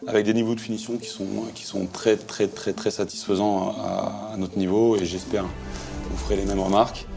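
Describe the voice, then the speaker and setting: A man's voice: lowish voice, little pitch movement, normal speed, creaky. A man speaking for his company in an interview, stumbling and repeating words. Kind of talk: casual interview answer. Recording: loud music over interview. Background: music.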